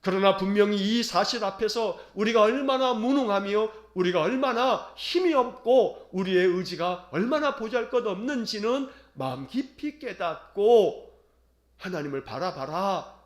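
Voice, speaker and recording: A man pastor preaching a sermon in an earnest, solemn way, with slow and tender quoted words. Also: high-pitched, expressive, echoey room.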